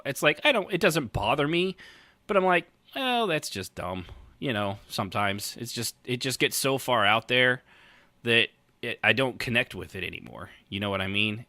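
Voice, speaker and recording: A man's voice: medium pitch, pushed and bright, no room sound. A man hosting a casual podcast discussion, rambling and stammering as he works through his thoughts, swearing casually. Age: 30s or 40s. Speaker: podcast host. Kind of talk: casual panel chat about online roleplay.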